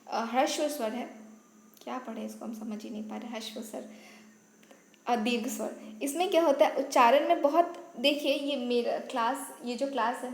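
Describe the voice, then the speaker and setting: A woman teaching a basic Hindi grammar lesson for exam preparation, explaining step by step and checking in with "ठीक है", and apologizing now and then for her own pronunciation. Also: a little high. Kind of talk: online exam-prep lesson. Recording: echoey room with faint ambient noise.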